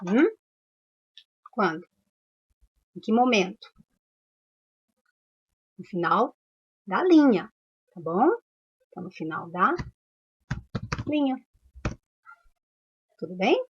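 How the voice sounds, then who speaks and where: A woman's voice: mid-range voice, big pitch swings, takes it slowly, long pauses, husky. Female primary teacher, Brazilian Portuguese accent, patient step-by-step explainer, muffled recording. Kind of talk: recorded class lesson.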